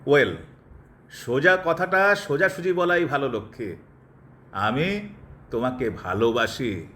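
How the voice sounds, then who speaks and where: A man playing a cold, calculating doctor in an audio drama, pressing his love insistently and deliberately, with English phrases dropped in. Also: mid-range voice, animated, bright, forceful tone, a little hiss or hum. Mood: insistent, confessing. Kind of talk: Bengali audio drama acting.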